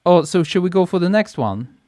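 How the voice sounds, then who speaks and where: A photographer hosting a live stream, chatting casually and reading out viewer comments, relaxed and quick to laugh, speaking into a podcast mic. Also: male voice, high-pitched, no room sound, clean studio sound. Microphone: podcast mic on a boom arm.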